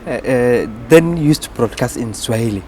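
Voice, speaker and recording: A man asks his interview questions in a hesitant way, with fillers along the way. His voice is mid-pitched, and there is faint street noise behind him. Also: expressive, normal speed, a little mellow.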